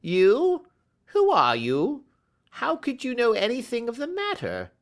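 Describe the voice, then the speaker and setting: A man voicing a nervous, frightened little man who whines in a high, quavering voice in a storybook reading. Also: big pitch swings, takes it slowly, full character voice. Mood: frightened whining.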